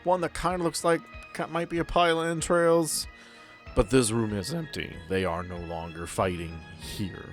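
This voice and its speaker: A man running a tabletop game as game master, describing scenes in a relaxed way with dry humor. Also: mid-range voice, normal speed, faint music behind.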